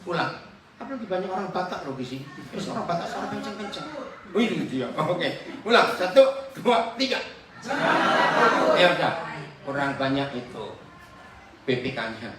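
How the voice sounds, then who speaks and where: A man's voice: a little high, sing-song, normal speed, long pauses, heavy background noise. A man preaching a sermon as pastor, questioning and joking with his congregation. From Papua. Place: church hall. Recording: very echoey hall, voice from far off.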